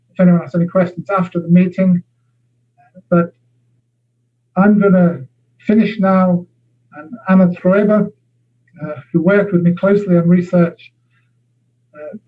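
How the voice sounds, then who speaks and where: A man giving an online seminar talk as a guest speaker, measured and full of uh fillers, heard over a video call. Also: high voice. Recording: tinny phone-like audio.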